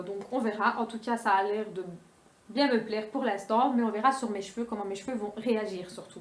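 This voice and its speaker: A young woman in a casual beauty haul vlog, talking quickly and chattily with many fillers. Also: medium pitch, slight background noise. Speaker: beauty vlogger. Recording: echoey room.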